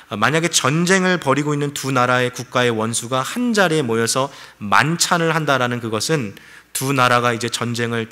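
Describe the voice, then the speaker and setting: Bright-voiced man preaching conversationally. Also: mid-range voice. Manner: conversational preaching with rhetorical questions. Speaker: pastor. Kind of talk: sermon.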